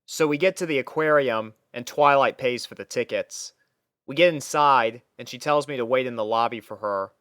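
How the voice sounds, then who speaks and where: A man narrates a first-person story from a script. His voice is smooth and clear at a middle pitch, recorded close and dry. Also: moderate pace, fairly bright tone, no echo.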